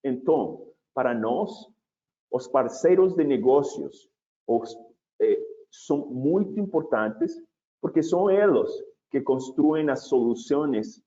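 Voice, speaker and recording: A man opening and presenting a webinar in a measured, deliberate way, with occasional restarts. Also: mid-range voice, lively intonation, warm tone, lo-fi sound.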